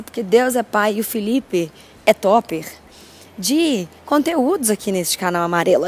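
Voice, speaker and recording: A Brazilian woman hosting a podcast in a casual, chatty way, with a grating, cracked voice and a loud, exuberant, slangy manner. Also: a little high. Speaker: podcast host.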